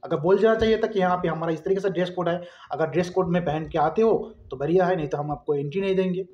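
A man talks casually to his phone in a distinctly high voice. He circles back over his points with plenty of filler phrases. The sound is dull and echoey, as from a small bare room. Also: fast talker. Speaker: vlogger. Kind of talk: casual opinion vlog to camera. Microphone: phone at arm's length. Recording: dull, roomy phone recording.

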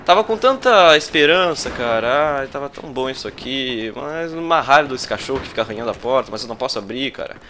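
A young man with a Brazilian Portuguese accent commentates his match live, his pitch leaping all over as he yelps and curses at the game. His voice is bright and forceful, and he sounds jittery and sweaty with nerves. Faint gunfire from the game runs behind him. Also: fast talker, hardly any pauses, slight background noise. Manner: excitable, swears at the game, frequent outbursts. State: nervous and sweating. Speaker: gaming youtuber.

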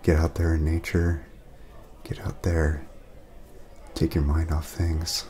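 A man speaking softly in a casual ASMR roleplay, laid-back and friendly, chatting as if to a friend. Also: extremely low pitch, monotone, takes it slowly. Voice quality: soft, breathy at times, creaky.

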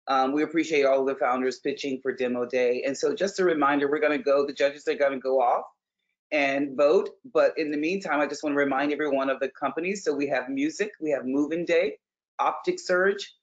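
Upbeat man hosting a virtual pitch event. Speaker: event host. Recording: dull lo-fi video call audio.

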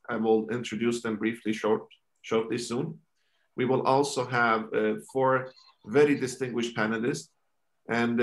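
A man in his thirties from Sweden, moderating an online panel in a formal, courteous, halting way over a video call. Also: medium pitch. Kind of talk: introducing an online panel discussion. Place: home kitchen indoors. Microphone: computer mic on a video call. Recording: roomy, echoing video-call sound.

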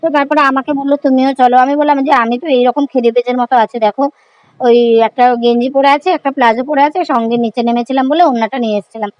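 A woman's voice: sits high, steady tone, very fast, darkish tone. A woman in her thirties chatting casually through her day as a vlogger and mother, rambling through everyday details. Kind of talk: casual daily vlog narration. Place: home, later outdoors on a night street. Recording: noisy phone recording with street sounds.

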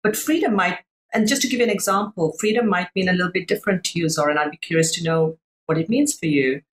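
A middle-aged woman from Sri Lanka, a coach speaking on a video call from home, thoughtful and searching for her words with many pauses and fillers. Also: fairly low pitch. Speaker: master coach, panel guest. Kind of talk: reflective panel discussion. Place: room at home.

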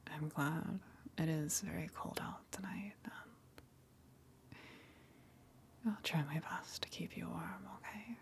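A woman playing a gentle, lonely sea monster in an ASMR roleplay, coaxing softly in a breathy, soothing whisper. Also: fairly low pitch, a little hiss or hum. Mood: tender, reassuring. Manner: slow, soothing, coaxing, long pauses.

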